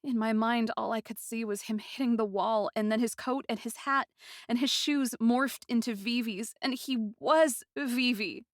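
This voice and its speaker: A woman's voice: on the high side, moderate pace, no echo, clean studio sound, close to an everyday voice. A woman playing a grieving, passionate young captive princess who tells her own story in an intense, emotive, dramatic first-person style. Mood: guilty, tearful.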